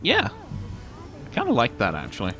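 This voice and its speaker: Man musing wryly with a lively, varied pitch. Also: moderate pace. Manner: musing aloud, wry. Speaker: gaming video host. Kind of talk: casual game playthrough commentary. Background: faint game music.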